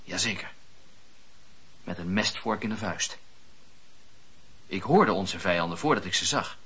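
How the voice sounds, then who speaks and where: An actor playing a fervent, earnest wandering preacher of the seventeenth century, declamatory, in a radio drama. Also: male voice, deep voice, animated, fairly bright tone, slightly rough, heavily acted. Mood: impassioned. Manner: declamatory, impassioned storytelling with dramatic pauses. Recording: dull, lo-fi radio play recording.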